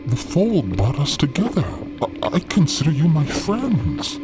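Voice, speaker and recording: A man playing a gentle, dignified otherworldly being in an audio drama, speaking formally, earnestly and a little haltingly. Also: on the high side, wildly swooping pitch, over music. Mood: hurt, dignified.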